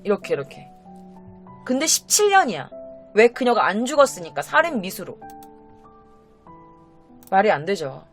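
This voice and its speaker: Animated woman telling a true crime story. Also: medium pitch, moderate pace, long pauses, faint music behind. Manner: animated, acts out quotes, talks straight to viewers. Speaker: horror storyteller, streamer. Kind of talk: casual spoken storytelling.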